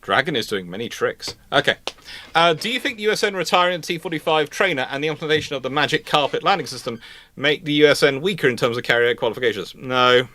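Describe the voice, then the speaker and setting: A man's voice: fairly high pitch, lively intonation, fast talker, pushed and bright, a little hiss or hum. A man hosting a casual live question-and-answer talk on history, rambling and often restarting his phrases. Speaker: livestream host.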